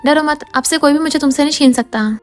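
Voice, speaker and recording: A woman reading the lines of a young girlfriend who reassures and mildly scolds, in a quick, high voice. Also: faint music behind, lightly acted. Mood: pleading.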